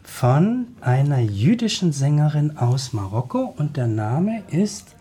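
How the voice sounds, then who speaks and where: A man hosting a radio interview, halting and filling pauses with many hesitations. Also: on the high side, big pitch swings, warm tone. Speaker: radio host.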